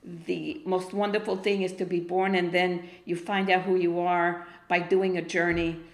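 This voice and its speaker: A woman's voice: fairly low pitch, flat delivery, normal speed. Outspoken Argentine-born woman, echoey room. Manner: outspoken, blunt and emphatic. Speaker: guest poet. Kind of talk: casual interview chat.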